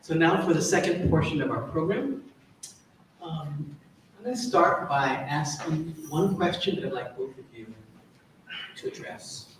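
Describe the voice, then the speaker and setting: A man moderating a literary panel, asking formal questions in a measured way. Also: lively intonation. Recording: echoey hall, distant mic, rumble.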